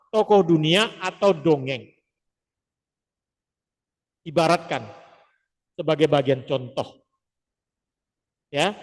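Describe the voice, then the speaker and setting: A man teaching public speaking in a lively, emphatic lecture style, often dropping short "ya" asides to the audience. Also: a little high, big-room sound.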